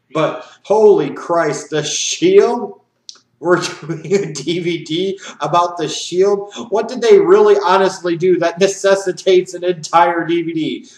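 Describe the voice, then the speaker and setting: A loud man with a high pitch speaks at a very slow pace with fairly even intonation. Audible room echo is heard over a quiet background. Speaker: wrestling commentator YouTuber. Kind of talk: angry rant about wrestling news, sarcastic and indignant. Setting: home video recording for YouTube. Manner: loud, indignant, exasperated, emphatic repetition; sarcastic, incredulous. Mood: annoyed, incredulous. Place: home room.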